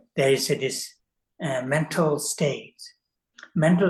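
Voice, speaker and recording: Speaking with a Tibetan accent, a man with a fairly high, somewhat breathy voice shows ordinary pitch variation. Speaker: Buddhist teacher. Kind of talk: lecture. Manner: halting.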